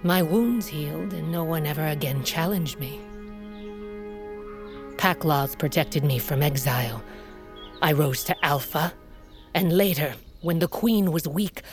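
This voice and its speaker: An actress playing a fierce, aging tribal queen and mother in an audio drama, speaking in a grave, measured way and sometimes coughing from sickness. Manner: grave, measured, low storytelling delivery. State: sickly, coughing.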